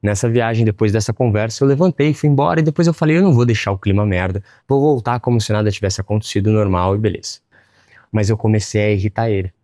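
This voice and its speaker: A man's voice: fairly low pitch, fast, dark tone, no echo, clean studio sound. A man with a Brazilian accent telling a personal story in a blunt, profane, emphatic way, as a motivational speaker. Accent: Brazilian Portuguese. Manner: addresses viewers as "rapaziada". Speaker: online business educator.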